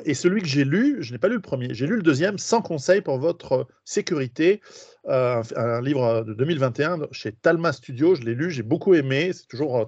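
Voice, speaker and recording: A man hosting an interview, introducing his guest with frequent hesitations and filler sounds between quick bursts of speech. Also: fairly high pitch, a little mellow, no room sound. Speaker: host. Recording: dry, dull lo-fi sound.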